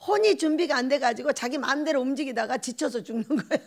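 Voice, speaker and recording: A woman pastor preaching a sermon in an animated way, acting out quoted voices and laughing often. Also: high voice, fairly quick.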